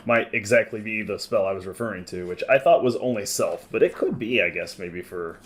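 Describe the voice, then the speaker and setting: Man, low voice, game master, tabletop role-playing narration, conversational, explains rules as he goes. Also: animated, brisk.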